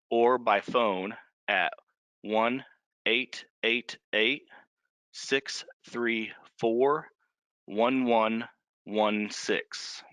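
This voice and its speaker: Bright, forceful American man reading announcements. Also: fairly low pitch, clean tone, no echo. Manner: formal, measured, enunciates numbers and spellings. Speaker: official giving briefing on a conference call. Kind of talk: scripted public announcement, read item by item.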